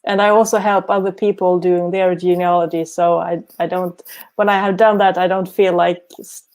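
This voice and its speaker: A woman's voice: on the low side, flat delivery, normal speed, darkish tone. A woman hosting a casual video call interview, giving short affirming replies and questions. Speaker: host.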